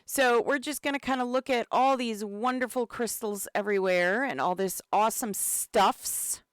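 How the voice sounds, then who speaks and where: A woman with a cold hosts a live game stream as community manager, chatting in a relaxed way, using plenty of fillers and greeting viewers. Her voice is fairly high and clean, at a moderate pace, recorded in the studio with no echo.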